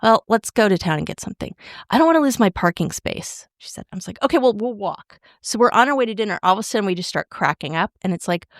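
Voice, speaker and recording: A woman in her fifties, co-hosting a podcast, telling stories in an animated way and acting out quotes. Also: medium pitch, fast talker, no echo, clean studio sound. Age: 50s. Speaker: podcast co-host. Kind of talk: casual chat, storytelling.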